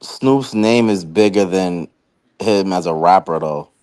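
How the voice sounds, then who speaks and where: A man's voice: low-pitched, measured pace, a little mellow. A man calling in to a talk show and arguing his point bluntly. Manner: argumentative, blunt. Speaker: caller. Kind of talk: casual debate.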